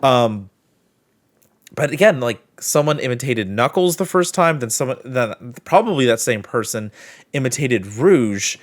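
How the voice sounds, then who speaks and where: A man with a chatty, expressive manner hosting a reaction video and giving casual commentary and review. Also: mid-range voice, unhurried.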